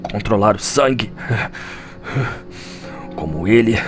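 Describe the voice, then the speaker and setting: A man's voice: fairly low pitch, animated, takes it slowly. A man with a Brazilian accent giving a solemn, dramatic scripted narration for an audio drama, like a chronicler telling a story. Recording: music under the voice. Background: background music.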